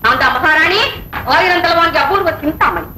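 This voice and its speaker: Boastful bossy aunt. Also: female voice, very high-pitched, expressive, normal speed, sharp tone, a little hiss or hum, heavily acted. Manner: boastful, sing-song teasing. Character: boastful comic woman, bossy and self-important. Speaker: aunt taking charge of the household. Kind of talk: 1980s Tamil film acting. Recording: echoey film soundtrack with music.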